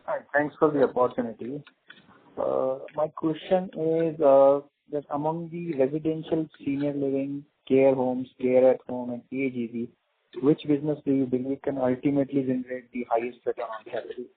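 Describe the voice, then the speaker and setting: A man with a husky voice, asking measured investor questions on a conference call. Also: medium pitch, steady tone. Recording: muffled narrow phone line.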